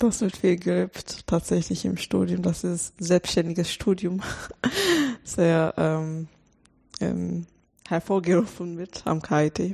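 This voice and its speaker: A woman with a slight non-native accent talks at a very slow pace, with long, frequent pauses. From Turkey. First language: Turkish (speaking German). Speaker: university student. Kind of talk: casual interview.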